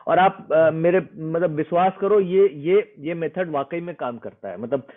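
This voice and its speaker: A man's voice: on the high side, measured pace. Earnest man on a tinny phone-like line. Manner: mixes English phrases into Hindi, earnest and persuasive. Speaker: trading expert explaining a method. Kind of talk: explanatory interview talk.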